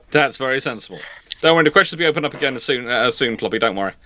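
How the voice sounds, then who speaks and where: A livestream host answers questions in a casual live session, his medium-pitched voice animated, quick, pushed and bright. He explains things emphatically, rambling along in a chatty manner.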